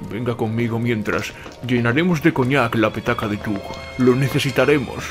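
Actor as a grave, measured small-town local. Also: male voice, mid-range voice, music in the background, natural voice. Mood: steady, sober. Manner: measured, ominous storytelling. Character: grave, steady small-town local man recounting dark history. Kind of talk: audio drama acting.

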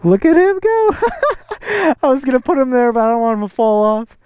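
A motovlogger chatting casually while riding, with a relaxed, rambling way of talking full of fillers, recorded outdoors on a helmet microphone. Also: high-pitched, moderate pace, clean tone, no echo. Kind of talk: casual riding vlog chat. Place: outdoors, riding a motorcycle on a road. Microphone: helmet-mounted microphone. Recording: road and engine noise behind.

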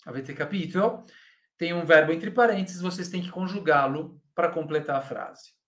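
A man's voice: on the high side, moderate pace. A man with a Brazilian Portuguese accent teaching Italian in a live online lesson, patiently correcting students by name and checking in with "tá?".

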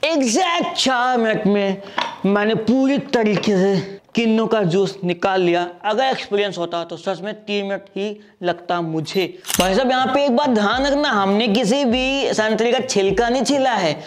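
Speaking into a lapel mic at a moderate pace, a young man with a high voice casually reviews and demonstrates a hand-press juicer for his vlog. He's in a small indoor studio with a striped backdrop, and there's a little hiss or hum.

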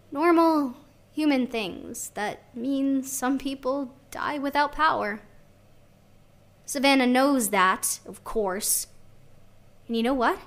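A woman's voice: sits high, a bit bright. A woman playing a chatty, wry, caring artist who narrates conversationally in an audio drama. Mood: wry, concerned, then quietly resentful.

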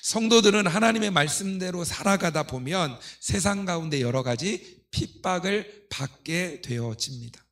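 A man's voice: a little high, a bit bright. A middle-aged man preaching as a pastor, explaining scripture to his congregation in a teaching manner. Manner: didactic, asking rhetorical questions and leading readings. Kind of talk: sermon, expounding scripture to a congregation. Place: church pulpit, indoors.

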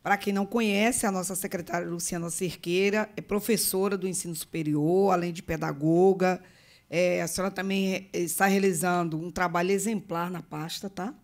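A woman's voice: fairly low pitch, fairly even intonation, normal speed, darkish tone. A middle-aged woman from Bahia with a Bahian Brazilian accent, chairing a meeting with formal remarks and informal asides into a table microphone. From Bahia, northeastern Brazil. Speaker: state legislator chairing a meeting. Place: legislative meeting room, indoors. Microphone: table gooseneck microphone.

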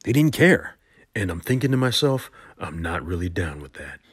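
A man acting as a male spy agent with a deep, husky voice, recorded close and dry. He is protective and defiant, with a tender streak, in the intimate style of an audio drama. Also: big pitch swings, moderate pace, no echo, exaggerated voice. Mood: wry, resolved.

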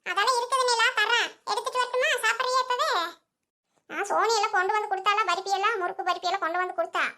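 A woman's voice: very high-pitched, very fast, pushed and bright, full character voice. A woman voicing chatty village women in a cartoon, fussing, gossiping and scolding. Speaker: cartoon character.

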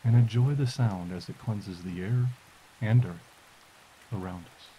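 Very soft, mellow man guiding meditation over rain. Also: lowish voice, poor audio. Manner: soft, slow, soothing delivery. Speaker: podcast host. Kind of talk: guided meditation. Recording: hiss and rain noise.

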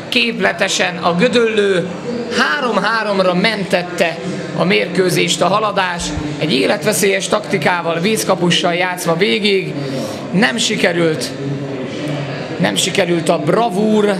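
A man giving excited, exclamatory live commentary on a match. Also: high-pitched. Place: indoor sports hall. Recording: clearly noisy sports hall ambience. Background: sports hall noise.

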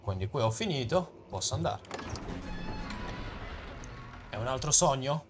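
An Italian man talks through a horror game at a middling pitch, joking along and reading game notes in a theatrical voice. Faint game music plays behind him. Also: a little slow. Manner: jokey, reads game texts aloud in a lively dramatic voice. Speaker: let's play gamer.

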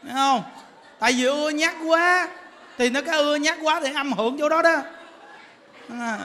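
Monk preaching; very high, bright voice; joking storyteller; long hall reverb. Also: male voice, normal speed, some chatter behind, a little hiss or hum. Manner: humorous storytelling, laughs while talking. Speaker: Buddhist monk giving a Dharma talk. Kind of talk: sermon. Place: temple lecture hall.

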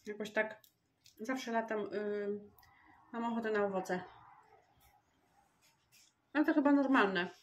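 A woman's voice: medium pitch, slow pace, long pauses, highs cut off, slight background noise. A woman vlogger chatting casually to her viewers, thinking aloud as she unpacks groceries in a home kitchen.

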